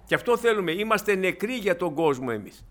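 Male preacher, fairly high voice, emphatic sermon delivery with loud and soft turns. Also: lively intonation, a little hiss or hum. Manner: emphatic, swings from loud to quiet, acts out the Bible figures.

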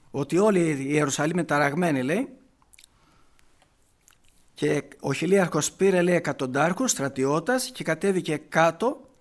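Greek-speaking male preacher retelling scripture. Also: a little high. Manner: retells scripture with constant "he says", rhetorical questions. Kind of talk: sermon, Bible commentary.

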